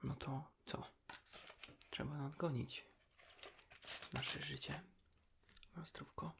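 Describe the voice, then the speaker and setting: A man whispers softly and intimately, in an unhurried ASMR chat as if to a friend. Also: a little high, background noise. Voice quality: soft breathy whisper. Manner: hushed, intimate, unhurried, addressing the listener as a friend. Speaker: ASMR creator, host.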